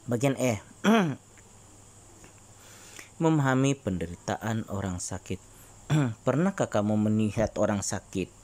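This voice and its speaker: A male teacher, explaining a religion lesson to children and often clearing his throat. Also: lowish voice, sing-song, slow, pauses often, a little mellow. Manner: frequent throat clearing, coaxing repetitions.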